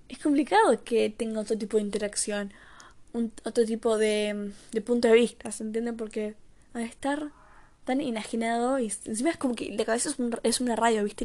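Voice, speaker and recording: A young woman with a Rioplatense Spanish accent talks to her viewers in a loose, reflective monologue. Her voice sits a little on the high side, and she thinks aloud as she goes, wandering into fillers and side remarks. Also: a little mellow. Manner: rambling, thinking aloud with frequent fillers and asides. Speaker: vlogger.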